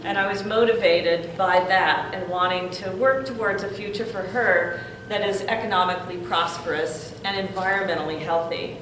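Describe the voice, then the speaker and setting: A woman's voice: medium pitch, steady tone, moderate pace. Outgoing older woman addressing a meeting hall. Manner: warm-voiced, outgoing, laughs often. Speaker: community organizer giving welcome. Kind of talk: public meeting remarks. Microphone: room mic at a distance. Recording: echoey room from far off, noisy.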